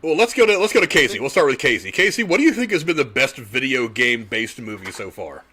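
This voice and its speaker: A man's voice: mid-range voice, very animated, fast talker, bright, forceful tone, breathy edge. A man hosting and moderating a casual group discussion. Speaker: podcast host.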